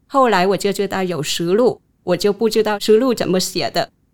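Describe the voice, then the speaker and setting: A woman with a Vietnamese accent speaks in a very clean recording with a silent background. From northern Vietnam, Nam Dinh province. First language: Vietnamese (speaking Chinese). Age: young. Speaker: doctoral researcher in history archives. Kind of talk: interview.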